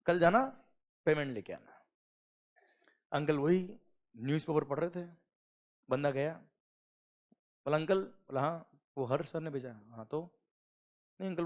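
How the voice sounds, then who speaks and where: High, lively man teaching. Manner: animated storytelling, acts out dialogue, asks students questions. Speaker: GST lecturer. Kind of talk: classroom lecture with acted anecdote. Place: classroom.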